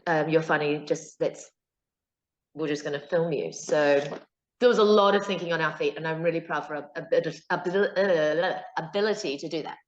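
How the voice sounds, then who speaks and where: A woman with a New Zealand accent, speaking in a lowish register and telling anecdotes in a chatty way, with plenty of fillers. Her voice comes through a muffled, lo-fi line in a roomy, echoing space. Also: moderate pace. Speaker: guest actor. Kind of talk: casual interview chat. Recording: echoey, dull lo-fi call audio.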